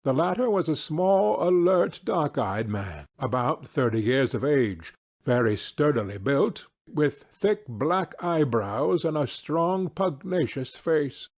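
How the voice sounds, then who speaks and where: A man narrating a classic novel as an audiobook in a measured, formal reading style. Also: a little high, lively intonation, a little mellow. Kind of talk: scripted literary narration.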